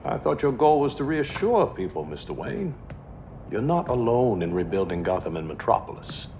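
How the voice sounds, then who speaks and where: An actor playing a calm, practical business executive in a game cutscene, with a reasoned delivery. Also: male voice, mid-range voice, moderate pace, vocal fry, a little hiss or hum. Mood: concerned. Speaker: game character.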